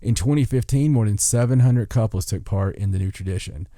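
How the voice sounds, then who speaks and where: A man's voice: fairly low pitch, a little fast, mellow, no echo, studio quality. A man hosting a podcast, reading from a list in a folksy way with joking asides and stumbles over foreign words. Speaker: podcast host. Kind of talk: reading listicle aloud with casual joking asides.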